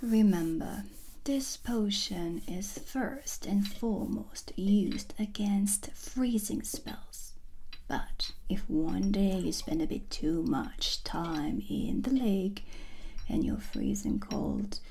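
A woman playing a dry, cautioning witch who teaches potions, in a hushed ASMR roleplay. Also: mid-range voice, gravelly, exaggerated voice. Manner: measured, hushed, instructing. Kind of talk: whispered cinematic ASMR roleplay. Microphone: close ASMR microphone.

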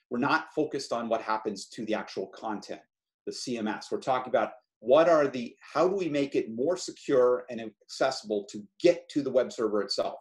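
A man giving an informal, explanatory webinar presentation as a project lead on a video call. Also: medium pitch. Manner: conversational, explanatory.

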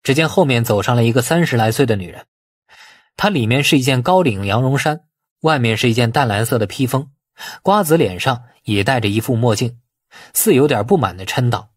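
A man's voice: medium pitch, animated, brisk, slightly rough, no room sound, studio quality. A man reading a novel aloud as scripted audiobook narration.

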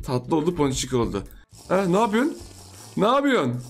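A man's voice: on the high side, very animated, a little fast. A young man giving playful, chatty commentary over his own gameplay, repeating phrases and laughing often. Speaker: gaming YouTuber.

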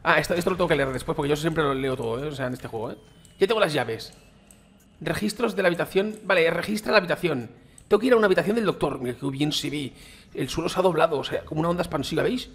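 A man's voice: on the high side, lively intonation, quick pace, husky. A man from Spain with a Spain Spanish accent, casually commenting on a game as he plays it, slangy and chatty, talking straight to his viewers. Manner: chatty, slangy, addresses viewers as "chicos" and "tío". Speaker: gaming YouTuber.

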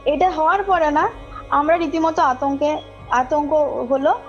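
A woman tells her story in a high voice. She speaks informally and with emphasis, checking that the listener follows. The call audio is muffled, with music clearly playing behind her. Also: a little slow. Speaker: caller telling a personal ghost story. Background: background music.

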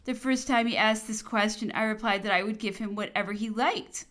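A woman reading a memoir aloud in a measured narration, sometimes laughing with amusement. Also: medium pitch, steady tone, fairly bright tone. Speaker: audiobook reader.

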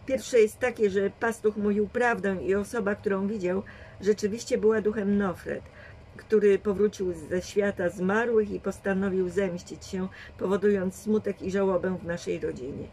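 A woman's voice: medium pitch, steady tone, mellow, a little hiss or hum, lightly acted, poor audio. A woman voicing a shrewd, dry and commanding old grandmother who reasons firmly in a read storybook. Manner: measured, firm reasoning.

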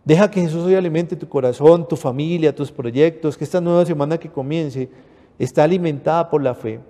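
A Panamanian priest preaching a homily in a deep, mellow, dark-toned voice that sits a touch higher than most men. He speaks earnestly and keeps addressing the listeners as brothers. A long reverb trails after his words, as in a large hall. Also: fairly quick. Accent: Panamanian Spanish. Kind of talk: sermon.

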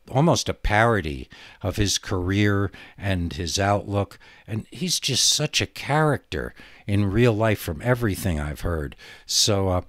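A man's voice: deep voice, a bit bright, no room sound, clean studio sound. A man hosting a solo podcast in a casual, rambling monologue, hesitant and full of digressions. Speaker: podcast host.

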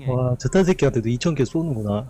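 A man's voice: medium pitch, expressive, fast, crowd noise. A man in a voice chat, mocking and sarcastic. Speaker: voice chat participant. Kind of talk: casual voice chat.

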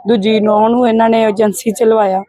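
A woman's voice: a little high, level tone, fairly quick, mellow, dry recording. A Punjabi woman, the victim's aunt, answering a reporter and steadily recounting phone calls. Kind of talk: interview answers.

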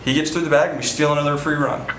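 A man's voice: fairly high pitch, flat delivery, rapid-fire, a bit bright, reverberant, a little hiss or hum, poor audio. A man in his thirties, a baseball team manager, answering post-game questions in an earnest way with many fillers and restarts. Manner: earnest, repeats himself, frequent fillers. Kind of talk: post-game press interview. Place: indoor press room before a sponsor backdrop.

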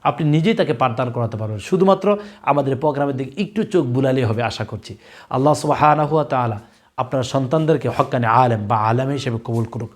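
A male religious teacher giving a recorded lesson to young pupils, spelling out letters loudly and slowly and repeating each drill several times. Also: medium pitch. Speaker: Quran and tajweed teacher.

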